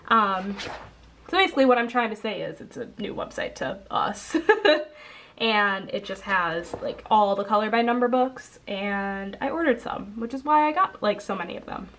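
A young woman who sounds congested, chatting casually as a coloring channel host, rambling with lots of ums and quick self-corrections, recorded indoors at a table. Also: medium pitch, lively intonation, a bit bright. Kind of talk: casual haul video chat.

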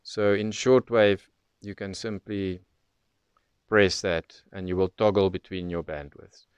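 Low, clear-voiced man explaining step by step. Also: steady tone, a little slow, dry recording, muffled recording. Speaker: presenter of radio tutorial. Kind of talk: unscripted product demonstration, explanatory.

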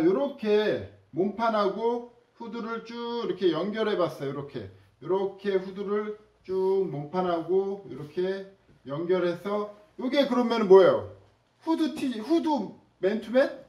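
High-voiced chatty male sewing teacher. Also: animated, a little slow, a little mellow, roomy sound, distant mic, lo-fi sound. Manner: chatty, demonstrative, addresses viewers directly. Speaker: sewing instructor. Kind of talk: casual sewing tutorial.

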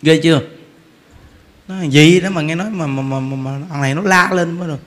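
A man with a Southern Vietnamese accent giving a humorous Buddhist sermon, telling a story with lively repetition and frequent laughter. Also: fairly high pitch, brisk. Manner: animated storytelling, repeats words, laughs often. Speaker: Buddhist preacher. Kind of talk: humorous dharma talk.

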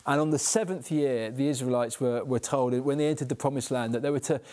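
A man's voice: mid-range voice, fairly quick, dark tone. A man in his thirties, a guest in a Christian TV studio chat, explaining scripture earnestly in a preacher's way. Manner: earnest, preacherly, repeats words when starting. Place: TV studio set.

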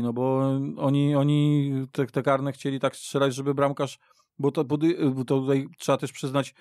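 A man discussing football as a guest pundit on a radio podcast, haltingly, repeating and restarting words. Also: a little high, no room sound, clean studio sound. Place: radio studio.

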